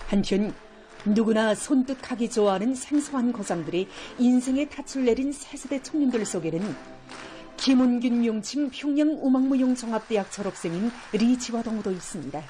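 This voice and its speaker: A woman's voice: fairly high pitch, animated, fairly quick, mellow, slight background noise. A woman announcer with a North Korean accent reading scripted news in a formal, solemn declamatory manner. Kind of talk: scripted broadcast news narration.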